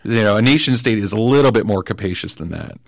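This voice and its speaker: Low-voiced man, halting and thoughtful. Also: expressive, vocal fry, dry recording. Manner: thoughtful, halting, many restarts. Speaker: podcast guest. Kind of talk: casual political conversation.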